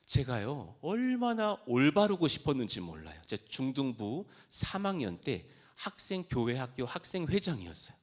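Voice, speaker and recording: A middle-aged male pastor preaching at a youth revival, telling stories and moving from soft asides to loud exhortation. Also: mid-range voice, slightly rough.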